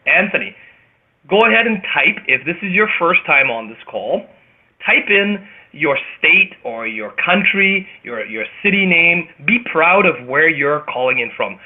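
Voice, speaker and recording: A man with a Canadian accent hosting a motivational group conference call, speaking emphatically and theatrically with dramatic pauses. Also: fairly high pitch, lively intonation. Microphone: phone or web conference call. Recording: tinny phone-line radio sound.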